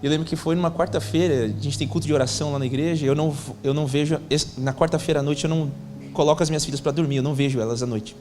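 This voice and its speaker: A man's voice: on the high side, fairly even intonation, rapid-fire, darkish tone. A man, a pastor telling a story in a sermon, acting out the dialogue in casual slang. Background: faint music.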